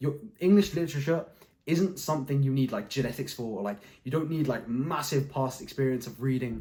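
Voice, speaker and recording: Somewhat breathy, a man speaks at a fairly high pitch with a dark, mellow tone and ordinary pitch variation. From India. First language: non-English (Indian language). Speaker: student study-tips YouTuber. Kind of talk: tutorial. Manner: casual, filler-heavy.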